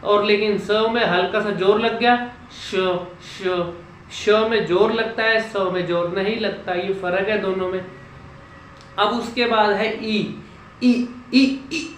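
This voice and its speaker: High-voiced man coaching speech, echoey room. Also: steady tone, a bit bright, a little hiss or hum. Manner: slow drilled syllables, explanatory. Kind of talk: instructional vlog. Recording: echoey room with faint ambience.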